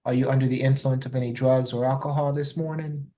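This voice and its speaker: A man's voice: mid-range voice, level tone, fast talker, warm tone. A man speaking as a judge, putting formal plea questions in a polite, procedural courtroom manner.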